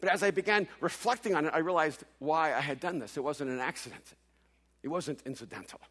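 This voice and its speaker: A middle-aged pastor from El Salvador, Spanish his first language, preaching a sermon that swings from loud declaring to hushed quiet on a stage microphone. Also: on the high side, a little fast. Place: large church hall.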